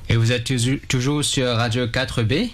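A man radio host announcing the station and introducing a song in a steady reading manner. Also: mid-range voice, moderate pace.

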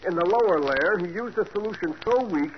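An actor playing a brisk, friendly police sergeant in a 1940s radio drama, matter-of-fact in his reports. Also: high-pitched, lively intonation. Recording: dull old radio broadcast with faint hiss.

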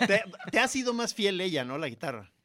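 A man's voice: sits high, sing-song, fairly quick, pushed and bright, dry recording, clean studio sound. A man with a Mexican Spanish accent, co-hosting and teasing his guest in casual chat. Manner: teasing interviewer. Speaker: co-host.

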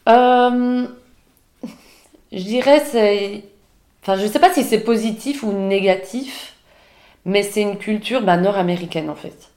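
A woman's voice: medium pitch, a little slow, pauses often, darkish tone. A woman from Belgium, a podcast guest, talking casually and hesitantly with many restarts. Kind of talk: casual conversation. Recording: roomy echo.

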